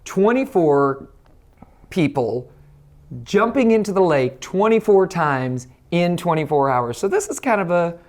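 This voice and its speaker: A man's voice: sits high, very animated, a little slow, a little mellow. A man hosting a casual, chatty interview in a jokey, encouraging way. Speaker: interviewer, host.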